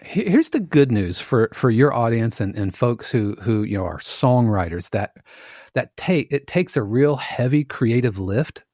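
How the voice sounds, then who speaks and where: A man's voice: medium pitch, measured pace, no room sound, studio quality. Chatty man explaining with restarts. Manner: animated, analogy-driven explaining with many restarts. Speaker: podcast guest, production music composer. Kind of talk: casual conversational interview.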